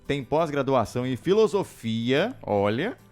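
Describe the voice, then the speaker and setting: A man's voice: mid-range voice, big pitch swings, measured pace, darkish tone, faint music behind. A man hosting a radio program in a studio, chatty and laughing often. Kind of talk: casual radio studio chat.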